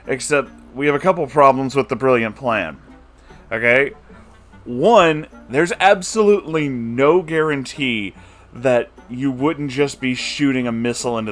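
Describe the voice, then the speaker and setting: A man giving a comedic recap of a book chapter, exasperated and incredulous, with laughing asides. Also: medium pitch. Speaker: book reviewer.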